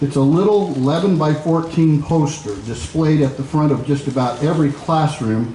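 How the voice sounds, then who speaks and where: In an American accent, a man speaks at a moderate pace. The room echo is audible, and background noise is noticeable. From US Midwest, Indiana. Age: 60s. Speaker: history professor. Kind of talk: public talk.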